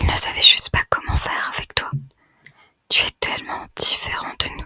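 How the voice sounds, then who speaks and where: A woman whispers at a fairly slow pace in a dry, close recording with no echo. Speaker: author reading her own novel, ASMR creator. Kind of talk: whispered ASMR audiobook reading of a fantasy novel. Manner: whispered, soft, slow.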